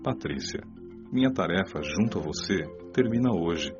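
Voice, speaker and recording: Man playing a low Brazilian spirit mentor, muffled. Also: lively intonation, moderate pace, over music. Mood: warm farewell. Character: kindly, instructive male spirit mentor. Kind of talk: audiobook radio drama dialogue.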